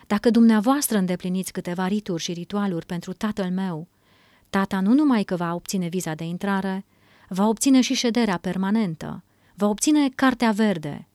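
An earnest young man pleads and begs for help, as a woman reads him in her own voice. The voice is dry and close, with no room echo, and the pitch is ordinary. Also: a little mellow, lightly acted. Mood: pleading.

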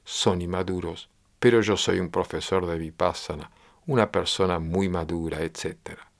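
A man speaking as a meditation teacher, giving a translated discourse in a measured, repetitive, explanatory way. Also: low-pitched, steady tone, gravelly.

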